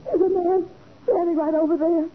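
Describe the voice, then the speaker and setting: An actress playing a detective's alert, anxious young assistant in a 1940s radio crime drama, urgent and breathless. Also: female voice, very high-pitched, fairly even intonation, moderate pace. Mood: alarmed. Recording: tinny noisy 1940s radio recording.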